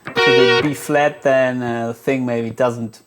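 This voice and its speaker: A man giving a casual tutorial as a guitar gear demonstrator, speaking in a halting way with many filled pauses. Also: mid-range voice, fairly even intonation.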